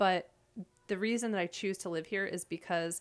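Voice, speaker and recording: Speaking with an American accent, a woman uses an ordinary speaking voice at medium pitch, with fairly even intonation and a moderate pace. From Maine, US. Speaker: comedic musician. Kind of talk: casual chat.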